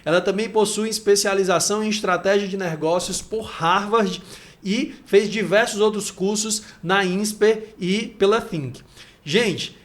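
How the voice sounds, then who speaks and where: A man hosts a podcast with upbeat enthusiasm, reading a guest's introduction and asking questions. His voice is pitched high for a man. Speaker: podcast host. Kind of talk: podcast hosting and interviewing.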